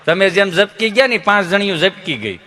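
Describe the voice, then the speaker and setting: High-voiced Kathiawadi man telling jokes. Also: normal speed. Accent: Kathiawadi Gujarati. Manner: joking, animated, mimics people he quotes. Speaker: folk comedian. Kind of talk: stage storytelling at a dayro.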